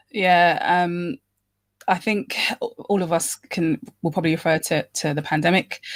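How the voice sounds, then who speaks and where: In a London accent, a woman with a fairly low pitch and ordinary pitch variation talks at a moderate pace with long, frequent pauses, in a very clean, dry, close recording with no echo and a silent background. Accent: London twang. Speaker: guest interviewee. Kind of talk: casual interview.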